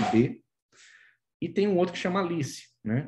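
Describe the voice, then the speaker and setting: Somewhat breathy, a man talks at a moderate pace. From Goiás, Brazil. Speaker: physics professor and researcher; physics professor. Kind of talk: lecture. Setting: video call. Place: home room. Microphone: headset.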